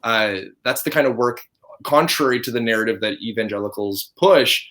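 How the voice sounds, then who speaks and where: A man's voice: mid-range voice, moderate pace, pushed and bright. Canadian guy guesting on a chat, earnest, keeps hunting for the right word. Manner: earnest, searching for words. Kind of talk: casual video chat.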